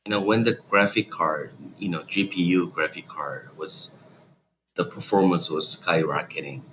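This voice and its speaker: A man from South Korea, a company founder telling his story in an animated way as an interview guest. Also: low-pitched, normal speed, a little hiss or hum, low-quality recording. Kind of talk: interview answers.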